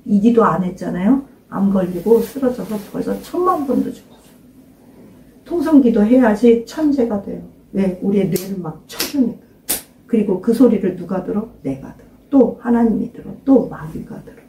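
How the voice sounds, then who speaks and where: A woman's voice: mid-range voice, lively intonation, normal speed, a little hiss or hum. Emphatic older woman pastor, roomy echo. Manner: emphatic, questioning listeners, urging loud prayer. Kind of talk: informal sermon to a small congregation. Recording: roomy echo, mic at a distance.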